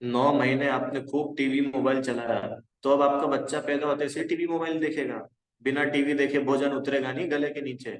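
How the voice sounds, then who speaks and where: A man's voice: mid-range voice, steady tone, moderate pace. Man teaching a class in an echoey room. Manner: conversational and exhorting, asks the class checking questions. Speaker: religion teacher. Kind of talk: casual spoken lesson to a youth class.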